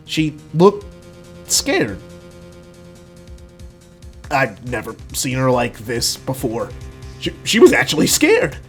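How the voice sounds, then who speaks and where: A man giving an expressive, casual dramatic reading of his own first-person writing. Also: medium pitch, takes it slowly, pauses often, faint music behind. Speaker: writer reading own work.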